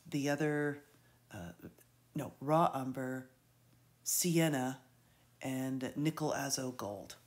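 Low, slow woman with a head cold. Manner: rambling, hesitant, many fillers. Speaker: art instructor. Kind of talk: unscripted painting tutorial voice-over.

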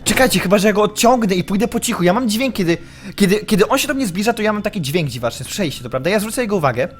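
A young man commenting on a horror game he is playing, excitable, yelping when startled and muttering while he sneaks. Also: sits high, very fast. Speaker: gaming YouTuber.

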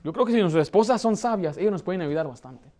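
A man in his thirties who grew up in the United States, preaching a lively sermon from a pulpit with a Mexican Spanish accent. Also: high-pitched, fast talker. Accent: Mexican Spanish, learned in the United States. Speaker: pastor. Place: church hall, plain indoor room.

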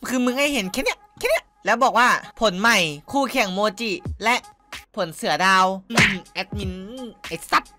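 A young man giving casual gameplay commentary, excitable and swearing freely while talking straight to his viewers. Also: extremely high pitch, moderate pace. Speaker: gaming YouTuber. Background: background game music.

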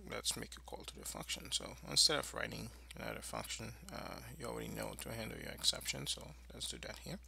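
A man presenting an informal screencast tutorial, explaining in a halting, improvised way. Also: lowish voice, huge pitch swings, vocal fry, pushed and bright, breathy edge.

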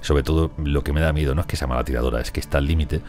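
In a darkish bass voice with fairly even intonation, a gaming streamer from Spain, judging by his Spanish accent, fires off rambling, chatty let's play commentary at rapid speed and talks to his colonists.

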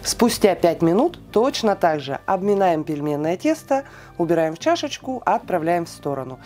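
A woman giving a calm, precise step-by-step cooking voice-over, listing weights and steps, with soft music behind her. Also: on the low side, moderate pace. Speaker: cooking channel host.

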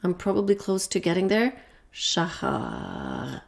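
A woman's voice: lowish voice, wildly swooping pitch, slow, vocal fry. A woman hosting a podcast interview. She is chatty and stumbles over some words as she asks questions. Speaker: podcast host.

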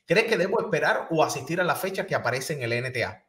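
A man's voice: on the high side, big pitch swings, quick pace, a bit bright. A man in his thirties hosting a news show, interviewing a guest and reading viewer questions aloud at a studio mic. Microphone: studio microphone on boom.

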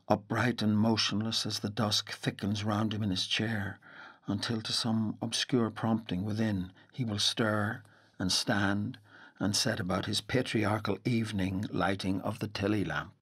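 Storyteller for an audio drama, lowish voice, brooding and lyrical, really measured. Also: male voice, a bit bright, breathy edge, heavily acted. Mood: evocative. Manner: measured, lyrical, deliberate phrasing. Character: brooding male storyteller of a boy's lonely journey. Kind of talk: literary audio drama narration.

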